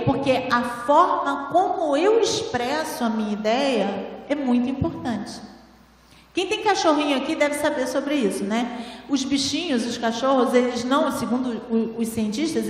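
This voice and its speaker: A woman giving a spiritual lecture to a seated audience on a handheld microphone, teaching in a didactic way with rhetorical questions. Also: high voice. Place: large hall with audience. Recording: echoey hall, voice from far off.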